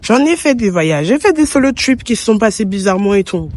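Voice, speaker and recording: A woman's voice: medium pitch, very animated, brisk, a little mellow, dry recording. A young woman from France ranting on a casual travel vlog, filmed on her phone. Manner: annoyed, ranting. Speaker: vlogger. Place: travelling in a city.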